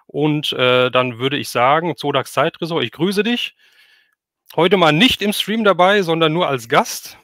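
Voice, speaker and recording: A man's voice: on the high side, a little slow, a bit bright, dry recording, studio quality. A man speaking as a livestream host in a casual, chatty and enthusiastic way while interviewing a guest.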